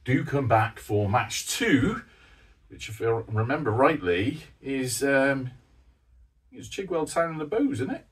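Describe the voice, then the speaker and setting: Excitable man commentating a tabletop match. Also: mid-range voice, unhurried, far from the mic. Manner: excitable, jokey, with sudden loud outbursts. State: out of breath, hot. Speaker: host and commentator of a tabletop football game. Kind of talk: solo play-by-play commentary.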